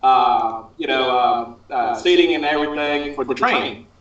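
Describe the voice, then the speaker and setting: A man telling a rambling anecdote in a halting, casual way, in a muffled recording from a very echoey room. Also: mid-range voice, fairly even intonation, fairly bright tone. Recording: muffled, very echoey, distant mic.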